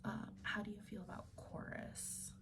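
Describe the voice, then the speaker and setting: A woman speaking in a gentle, unhurried, breathy whisper, playing a reassuring student advisor in an ASMR roleplay.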